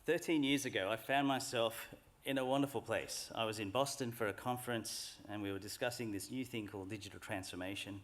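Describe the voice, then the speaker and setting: A middle-aged man giving a formal graduation address from a lectern microphone in a large hall, in a measured and earnest way. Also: lowish voice. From Australia. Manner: measured, earnest, reflective speech delivery. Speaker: graduation speaker.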